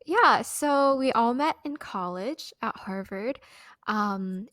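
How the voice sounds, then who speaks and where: A young woman from the United States, a podcast co-host telling a folk ghost story in a relaxed, chatty way. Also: fairly high pitch, takes it slowly, dry recording. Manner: relaxed, chatty with light laughs. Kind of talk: casual storytelling.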